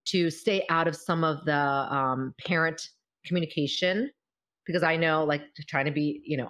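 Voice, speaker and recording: A woman in her forties, a mother of college-age kids, talking in a casual, expressive way as host of a conversation. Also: low-pitched.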